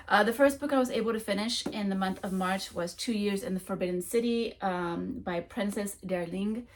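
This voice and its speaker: A book vlogger from the United States, a woman who speaks French, chats casually through her monthly reading wrap-up. She rambles, with frequent ums and restarts. Her voice is mid-range and a bit bright.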